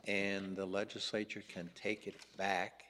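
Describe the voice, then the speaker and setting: A man's voice: deep voice, level tone, unhurried, pushed and bright. A man questioning counsel as a justice, hesitant and probing. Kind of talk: courtroom questioning. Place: large courtroom. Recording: long courtroom reverb with faint hiss.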